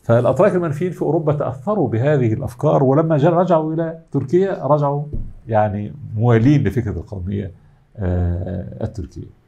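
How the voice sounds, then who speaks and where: With a creaky, mellow voice at medium pitch, this middle-aged Egyptian Arabic-accented man talks fast through an academic lecture. He explains each step in turn and poses questions that he then answers himself.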